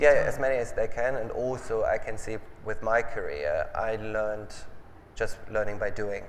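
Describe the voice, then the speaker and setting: A man with a German accent speaks at a moderate pace, with audible room echo and noticeable background noise. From Germany. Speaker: fashion magazine editor. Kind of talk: panel interview at an event. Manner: halting.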